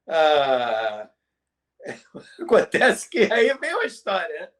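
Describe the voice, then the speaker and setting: Brazilian guy podcast host, pretty high voice, halting storytelling, repeats himself a lot. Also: huge pitch swings, fairly bright tone. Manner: halting, repeats words for emphasis. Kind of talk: conversational storytelling about radio history.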